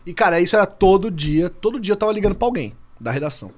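Man, from Brazil, 30s, high-pitched, lively casual podcast storyteller. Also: very fast. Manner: lively storyteller, swears casually, acts out dialogue. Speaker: podcast guest, sports journalist.

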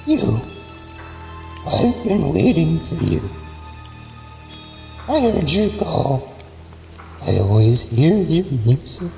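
An eerie, fawning stalker in an audio drama. His high, gravelly voice swoops slowly through a long, echoing reverb. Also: big pitch swings, mellow, soft background music, full character voice. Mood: eager, fawning. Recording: echoey, long reverberant hall sound.

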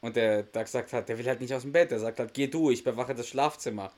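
A man's voice: mid-range voice, quick pace, a little mellow, slight background noise. A man hosting a podcast, casually retelling a sitcom episode, often laughing and acting out the characters' lines. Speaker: podcast host.

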